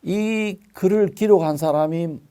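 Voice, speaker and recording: An older male pastor preaching a sermon, telling stories with sudden loud, emphatic swells. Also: high-pitched, unhurried, clear, resonant tone.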